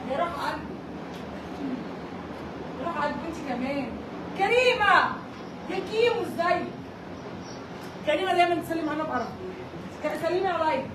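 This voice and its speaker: A woman's voice: very high voice, animated, brisk, pauses often, roomy sound, far from the mic, background noise. An Egyptian woman vlogging casually, chatting playfully and cooing greetings to her animals outdoors. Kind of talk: casual vlog chat.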